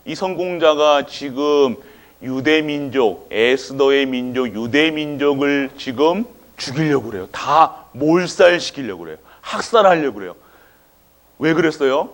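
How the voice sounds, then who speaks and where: Preaching in a church, this pastor speaks in an unhurried, expressive voice that sits on the high side. He keeps putting questions to the congregation and pausing for them to respond.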